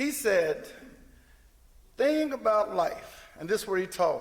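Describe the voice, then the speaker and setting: A man with a Kentucky accent and lively intonation, at a fairly slow pace, with audible room echo. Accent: southern US (Kentucky). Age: 70s. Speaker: church minister and former basketball player giving a eulogy. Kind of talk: memorial tribute speech. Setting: church memorial service. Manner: conversational, some hesitations.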